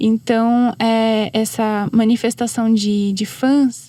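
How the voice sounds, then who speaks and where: Heard in a very clean recording with a silent background, the voice has a dark, mellow tone, a Brazilian accent, and monotone, flat intonation. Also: woman. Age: 30s. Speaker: voice actress and presenter. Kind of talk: podcast interview answer.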